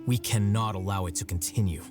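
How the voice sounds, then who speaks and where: Man playing a deep, stern fantasy lawman. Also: fairly even intonation, over music, lightly acted. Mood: solemn. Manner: formal, measured. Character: stern, solemn male law enforcer in fantasy adventure. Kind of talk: video game voice acting.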